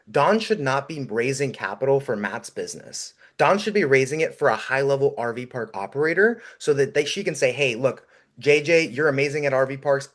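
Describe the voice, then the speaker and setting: A man whose first language is Russian, speaking at a middle pitch. He gives upbeat, encouraging advice with plenty of "um"s along the way. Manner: energetic, encouraging, many "um"s. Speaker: guest investor. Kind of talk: podcast call-in advice.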